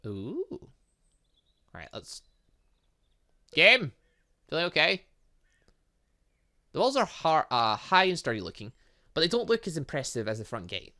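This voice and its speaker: An animated man hosts a video game playthrough in a bright, forceful voice pitched a little high. His delivery swings widely up and down as he reads on-screen dialogue aloud and throws in playful asides. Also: measured pace, pauses often. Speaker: gaming channel host. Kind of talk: let's play commentary, reading visual novel dialogue aloud.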